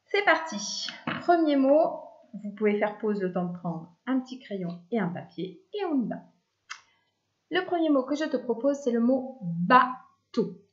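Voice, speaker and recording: A woman teaching children to spell two-syllable words, explaining slowly and patiently syllable by syllable. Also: a little high, very animated. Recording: echoey room, dull lo-fi sound.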